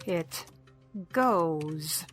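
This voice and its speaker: An actress playing a sardonic, condescending crime boss in an audio drama with a dry, wry delivery. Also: female voice, low voice, animated, very slow, soft background music, full character voice. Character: cool, sardonic female villainous boss.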